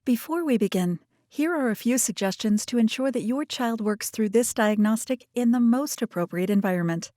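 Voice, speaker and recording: A woman reading scripted instructional narration in a measured, clearly enunciated way. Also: fairly high pitch, dark tone, no echo, clean studio sound. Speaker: voice-over narrator for e-learning and training. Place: home studio.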